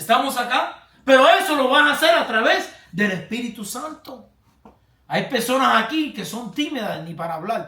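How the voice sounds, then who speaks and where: With an extremely high pitch for a man, he speaks in a raised, projected voice at a moderate pace, with very wide pitch swings and audible room echo. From United States. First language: English (speaking Spanish). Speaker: pastor. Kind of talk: sermon. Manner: animated.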